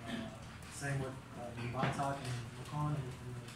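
A man's voice: mid-range voice, steady tone, normal speed, far from the mic. A young man, a basketball player answering questions at a postgame press conference in a casual, confident way, often repeating words as he starts a sentence. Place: press room with a backdrop, seated at a table. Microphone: table mics heard from a far camera. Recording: echoey room from afar, noisy.

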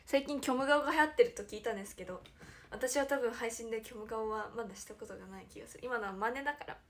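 A woman's voice: on the high side, quick pace. Giggly young woman chatting on a stream. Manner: giggly, animated, often dropping to a near-whisper. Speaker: idol livestream host. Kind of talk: casual livestream chat.

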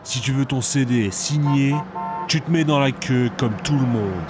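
A man playing a gruff, impatient French bouncer in a radio drama, brusque and commanding. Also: mid-range voice, moderate pace, very noisy, lightly acted. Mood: annoyed. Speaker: actor in a serialized radio drama. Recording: loud music and crowded street behind.

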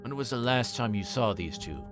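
A man's voice: mid-range voice, animated, normal speed, close to an everyday voice. A man voicing a politely insistent older police detective with leading questions, as he reads a visual novel. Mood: probing. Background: music behind the voice.

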